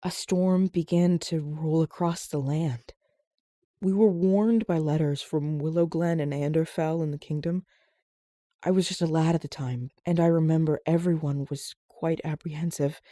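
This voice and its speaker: Woman voicing a mellow, courteous young guardsman. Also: low-pitched, fairly even intonation, dry recording, studio quality, close to an everyday voice. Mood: somber narrating. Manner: courteous, measured, formal phrasing. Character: polite, gently proper fantasy guardsman, younger man. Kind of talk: fantasy audio drama acting.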